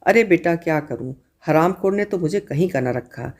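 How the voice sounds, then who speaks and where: A woman's voice: low-pitched, lively intonation, moderate pace, a little mellow. A woman voicing a bitter, wrinkled old servant who keeps cursing her own daughter.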